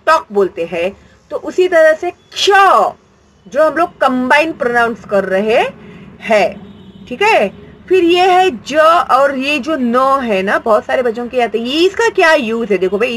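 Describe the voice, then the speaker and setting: A woman's voice: high voice, breathy edge, low-quality recording. A woman teaching a grammar lesson, patient and explanatory, asking questions and answering them herself.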